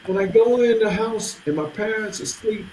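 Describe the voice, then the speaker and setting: A man in his sixties, a musician guest telling animated stories in conversation, acting out other people's voices along the way. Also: high-pitched, moderate pace, a little hiss or hum. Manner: lively, acts out others' voices in anecdotes. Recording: echoey room.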